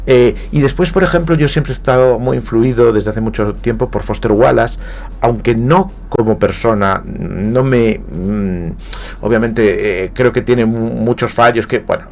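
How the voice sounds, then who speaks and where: The unhurried, medium-pitched voice belongs to a writer from Galicia in Spain, a radio interview guest with a Spanish accent. In the studio he reflects aloud, often hesitating and repeating himself, over slight background noise.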